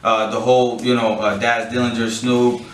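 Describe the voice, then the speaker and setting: A man's voice: medium pitch, flat delivery, normal speed. A man in his late thirties, born in Pakistan and raised in California, talking casually as a rapper being interviewed, often repeating and restarting his words. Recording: roomy sound from a distant mic.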